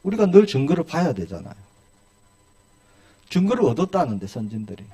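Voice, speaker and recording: A man's voice: on the high side, big pitch swings, brisk, mellow. A male pastor preaching a sermon in a church, asking his congregation one rhetorical question after another.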